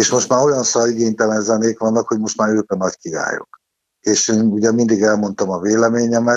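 The sound is dry and close, with no echo. A man speaks at a moderate pace with monotone, flat intonation. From Budapest, Hungary. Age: 60s. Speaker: rock musician. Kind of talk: casual interview. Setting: phone call.

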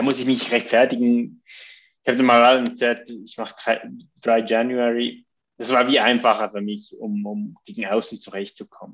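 A man with a slight Swiss accent speaks at a medium pitch and a moderate pace. His intonation is monotone and flat, while his loudness swings a lot. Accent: barely noticeable Swiss. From Switzerland. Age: 40s. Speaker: self-employed copywriter, guest on sobriety podcast. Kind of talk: interview.

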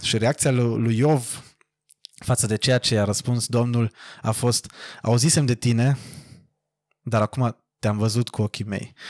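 Recorded very cleanly against a silent background, with a dry, close sound and no echo, a medium-pitched man speaks at a fairly slow pace with fairly even intonation and long, frequent pauses. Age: 20s. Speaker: Paralympic swimmer and TV moderator. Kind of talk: faith testimony interview.

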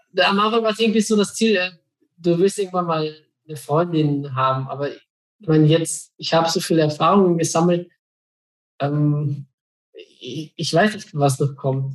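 Male speech pitched high, rather slow, with normal pitch movement. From southern Austria, near Klagenfurt (Carinthia). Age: 30s. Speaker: former coaching client. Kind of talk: casual interview. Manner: halting, many fillers and repetitions.

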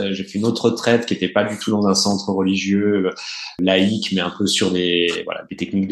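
The speech moves at a moderate pace with fairly even intonation. Music plays in the background. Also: man. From Burgundy, France. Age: 40s. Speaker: TV journalist. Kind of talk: interview. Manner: halting.

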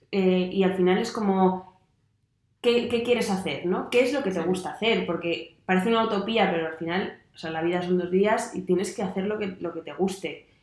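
In a room with audible echo, a woman talks at a moderate pace. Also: medium pitch for a woman, fairly even intonation. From Madrid, Spain. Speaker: online florist business co-owner. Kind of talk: casual interview chat. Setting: recorded live in person, shared mic.

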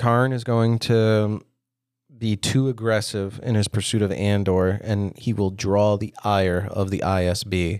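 A man has an ordinary speaking voice at a fairly low pitch. His loudness stays very even and his intonation fairly even. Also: fairly slow pace. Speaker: podcast host. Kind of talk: casual banter.

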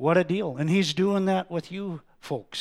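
A man's voice, dry and close with no echo, over crowd noise in the background. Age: 60s. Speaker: lay preacher filling in for pastor. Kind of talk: sermon. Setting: church.

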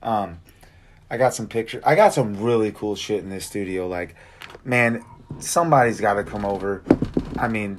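The pitch varies in an ordinary way while noticeable background noise sits behind the voice. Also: man. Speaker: podcast host. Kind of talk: casual chat. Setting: home studio. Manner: rambling, halting.

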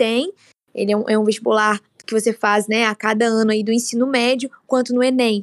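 A woman speaks at a moderate pace with a fairly high pitch and monotone, flat intonation. The sound is dry and close, with no echo. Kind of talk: casual interview.

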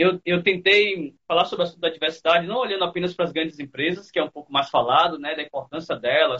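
At a very fast pace, a man talks in a high voice with ordinary pitch variation. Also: hardly any pauses. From Brazil, Salvador (Bahia). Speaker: entrepreneur and diversity consultant. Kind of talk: interview. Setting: video call.

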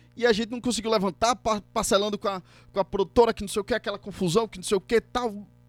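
A man with a high pitch rushes along at a very fast pace, his intonation fairly even. The sound is dry and close with no echo, with music in the background. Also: big swings in loudness. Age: 30s. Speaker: entrepreneur. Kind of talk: casual interview chat.

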